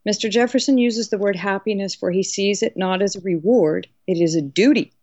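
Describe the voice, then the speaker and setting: A woman's voice: medium pitch, steady tone, a little fast, darkish tone, no room sound, close to an everyday voice. Woman reading as an earnest colonial professor. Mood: earnest, instructive. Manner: didactic, emphatic. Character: earnest, learned male colonial law professor. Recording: dull lo-fi audio.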